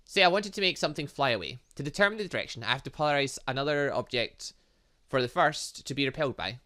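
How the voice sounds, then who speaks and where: Man reading as earnest young warrior woman, bright. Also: mid-range voice, animated, quick pace. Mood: earnest, explaining. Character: modest, earnest young woman warrior explaining her power. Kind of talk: reading visual novel dialogue aloud.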